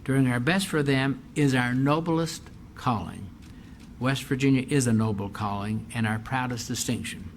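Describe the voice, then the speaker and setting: A man's voice: medium pitch, normal speed, a little hiss or hum. An older man, a university president, giving a formal speech and then answering audience questions, stressing points by repeating phrases. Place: auditorium with an audience.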